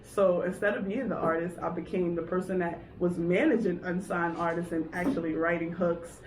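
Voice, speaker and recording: A woman from New York chats casually as an interview guest, relaxed and conversational. Her voice sits a bit low. She is heard from a distance in a roomy, echoing space with steady background noise. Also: moderate pace. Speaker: guest, artist manager and songwriter. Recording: echoey room, mic far off, background noise.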